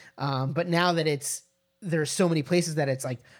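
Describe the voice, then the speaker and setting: Here a man with an unremarkable speaking voice talks at a fairly quick pace and a fairly high pitch. His pitch varies in an ordinary way, and the recording is very clean with a silent background. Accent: American. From New York. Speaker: podcast co-host. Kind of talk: casual chat.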